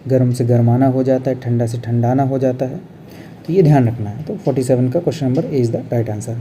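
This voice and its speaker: A man teaching an exam revision lesson on Hindi grammar, explaining step by step and slowing down to show how words are pronounced. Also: mid-range voice, mellow, slight background noise. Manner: explains step by step, often adds "bhai" and "hai na"; drawn-out, slow when showing pronunciation.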